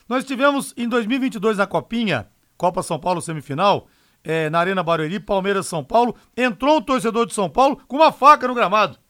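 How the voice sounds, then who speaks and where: A man's voice: high-pitched, bright, forceful tone. A man hosting live sports radio talk in an emphatic, conversational way. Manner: emphatic, conversational, punctuated with rhetorical tags.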